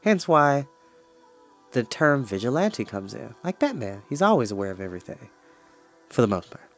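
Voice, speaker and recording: Animated young American man reading aloud. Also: medium pitch, normal speed, faint music behind. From East Cleveland, United States. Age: young adult. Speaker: storytime host. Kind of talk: expressive book reading with casual asides. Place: small indoor home room with shelves.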